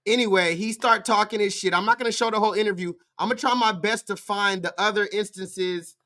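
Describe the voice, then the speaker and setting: A man's voice: high-pitched, steady tone, fairly quick, sharp tone. A man doing casual livestream commentary on a video, sarcastic and incredulous, repeating his points for emphasis.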